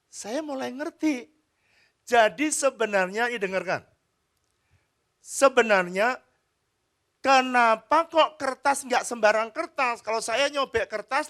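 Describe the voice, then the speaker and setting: A man preaching a sermon as pastor, telling stories and chatting with the congregation. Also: extremely high pitch. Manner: animated storytelling, chats with the congregation. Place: church.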